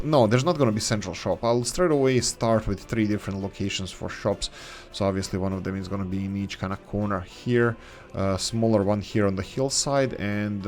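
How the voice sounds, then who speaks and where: Non-native english guy doing a chill city-builder let's play, lowish voice, rambles and corrects himself, faint music behind. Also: gravelly. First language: not English. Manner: rambling, self-correcting, thinking aloud while building. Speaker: gaming channel host. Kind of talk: casual let's-play commentary.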